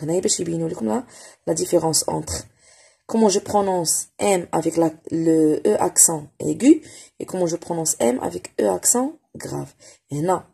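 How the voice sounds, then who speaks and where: A woman with a Moroccan accent teaching French reading, saying each word slowly and twice and explaining in Darija. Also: on the low side, lively intonation, creaky, dark tone, breathy edge. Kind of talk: slow reading lesson, repeating words for learners.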